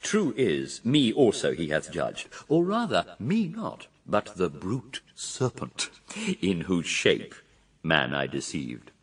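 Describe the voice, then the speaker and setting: A man's voice: wildly swooping pitch, slow pace, husky, far from the mic, full character voice. An actor playing Satan, a proud fallen angel addressing his legions in grandiose, declamatory verse for a radio drama. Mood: sly, proud. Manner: grandiose, declamatory, swinging from booming cries to hushed murmurs.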